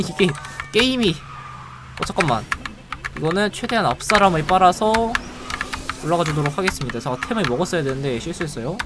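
A game streamer giving live gameplay commentary in an excitable, playful way, reacting quickly and laughing often. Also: medium pitch.

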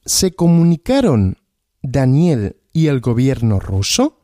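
A man teaching Spanish through a story, asking questions and answering them himself, repeating each answer slowly. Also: medium pitch, huge pitch swings, warm tone, no echo, clean studio sound. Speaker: Spanish teacher, podcast host.

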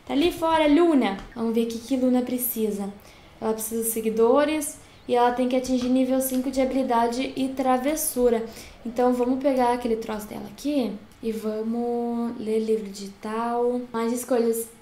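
A woman's voice: high-pitched, darkish tone, roomy sound. A Brazilian woman with a Brazilian Portuguese accent gives chatty, gushing let's-play commentary and talks to her viewers. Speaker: gaming YouTuber.

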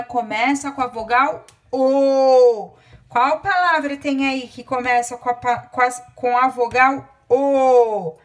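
A woman teacher, from Brazil with a Brazilian Portuguese accent, dictating words to young children, counting aloud and stretching each word out slowly. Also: high-pitched, a bit bright.

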